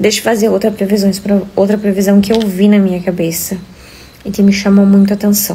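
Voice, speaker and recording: Light background noise behind a woman speaking at a moderate pace. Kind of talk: casual live-stream chat. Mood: serious, occasionally laughing. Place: home room. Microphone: phone near.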